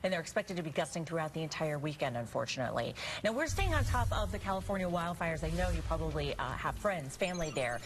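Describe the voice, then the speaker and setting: A woman's voice: low voice, very animated, quick pace, few pauses, background noise. A woman news anchor delivering a live newscast in a partly ad-libbed way. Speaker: news anchor filling in on weather.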